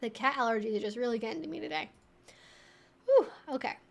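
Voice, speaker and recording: A young adult woman with a high-pitched voice hosts a casual livestream. She answers questions in an informal, chatty way, reasoning aloud as she goes. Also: quick pace, vocal fry. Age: 20s to 30s. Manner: chatty, informal, thinking out loud.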